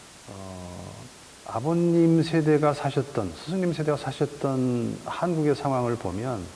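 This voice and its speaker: A man with fairly high pitch and very wide pitch swings, against noticeable background noise. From South Korea. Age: 60s. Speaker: painter. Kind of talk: interview. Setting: artist's studio.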